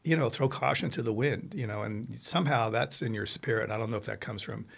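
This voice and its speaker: A man's voice: mid-range voice, fairly quick, vocal fry. A man from Italy hosting a casual interview, talking in an enthusiastic, rambling and effusive way. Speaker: podcast host.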